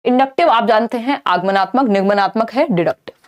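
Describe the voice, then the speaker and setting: Speaking a little fast in a fairly high voice, a young woman leads an exam-prep class. She explains in Hindi mixed with English terms, asking questions and then answering them herself.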